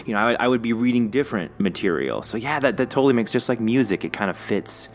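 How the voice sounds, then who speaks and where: A man's voice: mid-range voice, lively intonation, fast talker. A man hosting an interview podcast, chatting informally with an effusive, encouraging manner. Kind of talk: casual interview chat.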